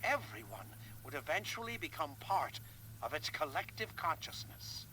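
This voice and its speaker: An actor playing a grave, cerebral scientist with formal, precise delivery in a video game cutscene. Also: male voice, on the high side, very animated, normal speed, bright, forceful tone, low-quality recording. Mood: grave, analytical. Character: cerebral, grave male scientist explaining a threat. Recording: clear noise behind the voice.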